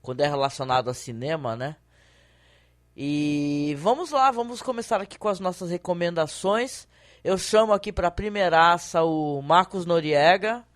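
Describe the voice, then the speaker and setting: A Brazilian woman hosting a casual podcast, very hoarse from a cold, with a deep, guttural, smoker-like rasp. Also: moderate pace. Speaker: podcast host.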